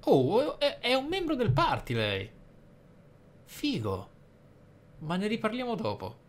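A man's voice: high voice, huge pitch swings, slow pace. A man hosting a role-play gaming video, commenting and reading in a reflective, explanatory manner. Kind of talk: role-play game commentary, some reading aloud of in-game text. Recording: faint noise and game ambience.

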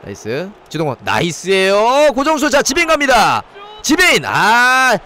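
A man streaming a football game live with a head cold and sore throat, joking in a mock nightclub-waiter patter and shouting excitedly at shots on goal. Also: high voice, measured pace, slight background noise. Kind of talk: live gameplay commentary.

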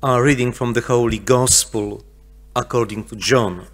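A man's voice: mid-range voice, fairly even intonation, normal speed. A middle-aged man, a Catholic priest, giving a solemn Gospel reading at a church pulpit. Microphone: gooseneck lectern microphone.

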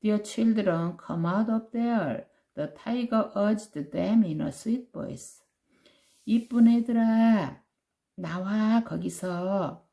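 A woman's voice: medium pitch, very slow, creaky, warm tone, voice pushed up. A woman voicing a sly male tiger who fakes a mother's voice to coax children. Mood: sweet. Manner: coaxing, sweet-talking.

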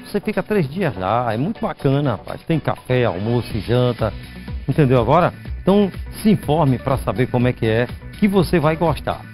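A middle-aged man hosting a live TV news show in the studio, in a chatty, animated way. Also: mid-range voice, normal speed, soft background music. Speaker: TV news host.

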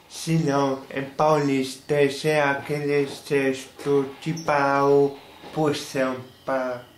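A young man with a Carioca accent, talking casually to the camera in a small room and explaining slang word by word. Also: mid-range voice. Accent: Carioca Portuguese. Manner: slow, halting, explaining word by word. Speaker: YouTuber. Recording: roomy echo, faint hiss.

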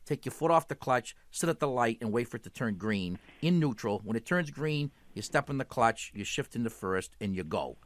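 Animated radio host explaining cars. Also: male voice, mid-range voice, normal speed, few pauses. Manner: jokey, explains step by step. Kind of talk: call-in chat, explaining car repair.

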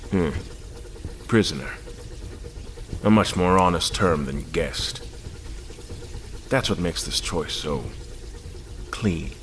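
Deep, grave, calculating admiral acted by a man. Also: takes it slowly, pauses often, fairly bright tone, a little hiss or hum. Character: calculating male admiral, weary, grave and sardonic. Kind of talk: audio drama acting.

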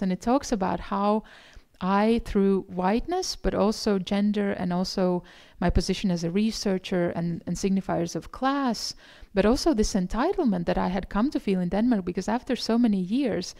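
A middle-aged woman from gives a conference lecture, explaining and reflecting in a halting, thoughtful way. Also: mid-range voice, gravelly, warm tone. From Eastern Europe. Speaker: academic keynote speaker. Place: indoor conference room, presenting in front of slides.

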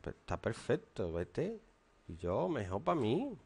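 A man's voice: medium pitch, huge pitch swings, a little slow, creaky, a little mellow, husky. A stern man, teaching and lecturing a class in a classroom. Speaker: English teacher.

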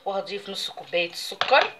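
A woman's voice: mid-range voice, animated, quick pace, very noisy. A woman with an Egyptian Arabic accent, hosting a home cooking video and chatting casually while she works with her hands. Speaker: cooking channel host. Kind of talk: casual recipe demonstration.

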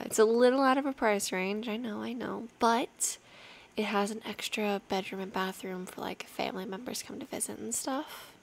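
A young adult woman speaking softly, often half-whispering, in a casual, intimate girlfriend roleplay with a slightly hesitant delivery. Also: medium pitch. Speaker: ASMR roleplay performer playing an affectionate girlfriend. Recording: clear background noise, rainy night ambience. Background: rain ambience.

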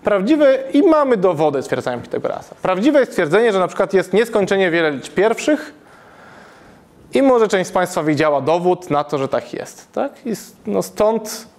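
Guy in his 30s teaching math in a classroom, kinda high voice, keeps correcting himself and asking "right?". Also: sing-song, normal speed, darkish tone. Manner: thinking aloud, frequent self-corrections and "tak?" checks. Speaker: university lecturer. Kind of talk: public math lecture. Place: classroom with chalkboard, indoors.

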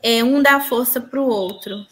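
A woman with a fairly high voice gives a personal spiritual testimony in an interview. She talks earnestly and retells past events through quoted dialogue. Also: a little slow, fairly bright tone. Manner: earnest, tells her story with reported dialogue.

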